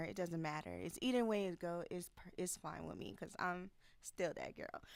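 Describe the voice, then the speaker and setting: Speaking at a moderate pace, a woman with medium pitch uses a plain, everyday voice, ordinary pitch variation and big swings in loudness. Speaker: interview guest, plus size model.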